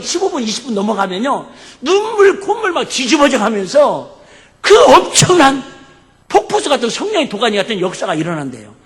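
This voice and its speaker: A male pastor preaching a sermon and joking in call-and-response with his congregation, sometimes breaking into shouts. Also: very high voice. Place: church sanctuary. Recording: echoey church hall.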